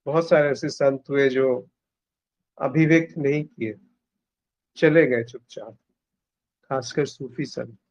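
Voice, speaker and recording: Slow, contemplative man, dull lo-fi sound. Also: mid-range voice, fairly even intonation, no echo. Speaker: spiritual teacher leading satsang. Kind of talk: reflective spiritual talk.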